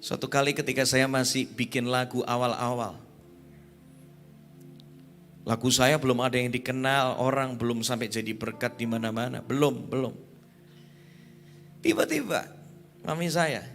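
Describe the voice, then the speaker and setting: A man preaching a sermon at a youth conference, emphatic, with sudden high exclamations. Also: normal speed, creaky, pauses often, a bit bright, faint music behind.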